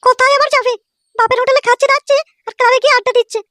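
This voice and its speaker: A woman's voice: very high voice, fairly even intonation, racing, pushed and bright, no room sound, clean studio sound. A woman playing a dutiful, homely married daughter in a comedy cartoon, plain-spoken. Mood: matter-of-fact.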